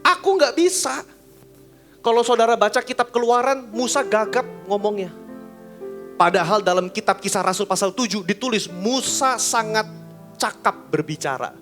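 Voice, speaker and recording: Male pastor, high-pitched and animated, preaching a colloquial sermon over soft music. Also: normal speed. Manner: lively, colloquial, acts out voices with big swings in pitch and volume. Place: church service.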